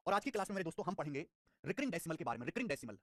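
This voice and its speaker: A man's voice: on the high side, no room sound, clean studio sound. A young man teaching a live online math class, repeating numbers over and over and scolding students with life advice. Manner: fast, lively, repeats digits and phrases.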